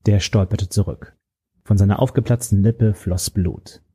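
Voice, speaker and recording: A man reading a first-person audiobook in a steady, grave manner. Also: fairly low pitch, measured pace, husky. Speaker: narrator.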